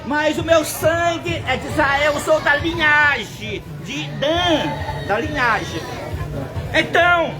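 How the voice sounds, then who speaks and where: A man with a Brazilian accent preaching an impassioned end-times sermon, often shouting and repeating words for emphasis. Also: very high voice. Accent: Brazilian Portuguese. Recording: loud music and crowd noise behind.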